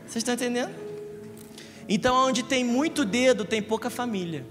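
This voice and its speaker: A brisk preacher from Rio de Janeiro, Brazil, gives a Sunday sermon in a church hall, with frequent jokes and questions aimed at the congregation. He speaks in a high voice for a man, and long reverb plus background music surround it.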